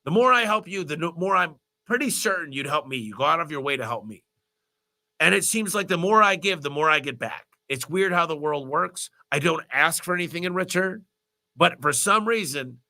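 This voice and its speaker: A man hosting a live business Q&A, talking in an energetic, motivational, rambling way while congested with a cold. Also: fairly high pitch, normal speed. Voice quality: stuffy, nasal. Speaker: host of a business Q&A livestream. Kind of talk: live Q&A answering viewer questions.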